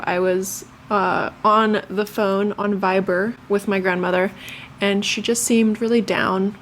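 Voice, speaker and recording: Young woman vlogging, chatty, lots of ums and restarts, mid pitch, bit of background hiss. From Lithuania. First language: Lithuanian. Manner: chatty, halting with many fillers and restarts. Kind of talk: casual talk to camera.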